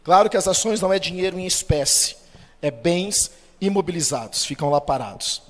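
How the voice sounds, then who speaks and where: A man with a Brazilian Portuguese accent gives a spoken testimony as a preacher, telling his story with lively acted-out dialogue. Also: moderate pace. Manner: storytelling, acts out quoted dialogue with shifts of pitch and loudness. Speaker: Catholic lay preacher. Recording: long hall reverb.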